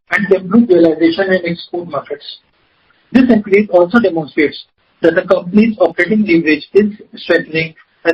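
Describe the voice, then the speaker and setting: High, husky Indian man on a call. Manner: formal, reading out figures. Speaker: company executive presenting financial results. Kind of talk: scripted formal earnings presentation. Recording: dull, lo-fi conference call audio.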